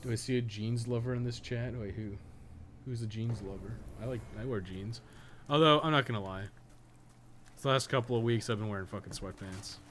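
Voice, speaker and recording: A man's voice: medium pitch, a little fast, a bit bright. A man chatting casually while streaming a game, rambling along and swearing freely, with some noise behind him. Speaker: game live streamer, podcast co-host. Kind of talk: casual livestream chat while gaming.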